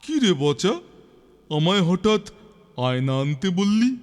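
A man voicing a clever, eager cartoon schoolboy who panics easily, with exclamatory, drawn-out delivery. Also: high voice, expressive. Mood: eager, scheming. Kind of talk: children's cartoon dubbing. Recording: long reverb, clear music behind.

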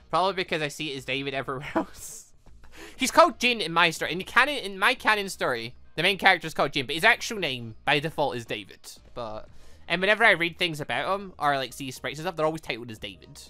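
Chatty let's play host, lively and bright. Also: medium pitch, no echo. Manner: chatty, rambling, laughs often. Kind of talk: casual reading of a visual novel with commentary.

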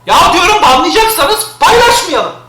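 High, bright-voiced man ranting on stream. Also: sing-song, normal speed, reverberant, a little hiss or hum. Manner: exasperated, complaining, repeats himself. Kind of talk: live stream rant.

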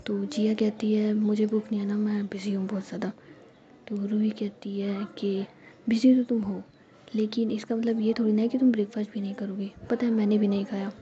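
A woman telling a story in a soft unvoiced whisper, acting out quick lines of dialogue between characters. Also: mid-range voice, flat delivery. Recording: dull lo-fi sound.

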